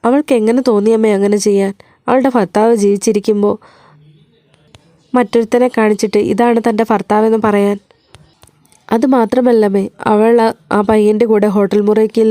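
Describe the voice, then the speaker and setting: An anxious middle-aged mother, as a woman reading the story puts her on, pleading and hurt. Her voice is soft and mellow, and the sound is dry and close. The role stays near the reader's own plain voice. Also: medium pitch, flat delivery, moderate pace, pauses often, dry recording, lightly acted. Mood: distressed.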